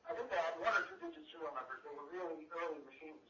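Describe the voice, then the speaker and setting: A man's voice: fairly high pitch, very fast, bright, forceful tone, distant mic, a little hiss or hum. A man in his fifties speaking over the phone, calling in on speakerphone to reminisce thoughtfully for a gathered group. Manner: thoughtful, recollecting. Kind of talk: reminiscing talk. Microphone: phone on speakerphone, held up to a microphone. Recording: muffled speakerphone in an echoey room, heard from afar.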